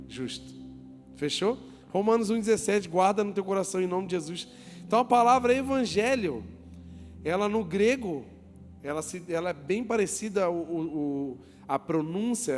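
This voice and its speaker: A pastor preaching a lively sermon to his congregation, joking with them, asking them questions and calling for applause. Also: high-pitched. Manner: joking, asks the crowd questions and calls for applause. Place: church hall with a congregation. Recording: long church reverb, music behind.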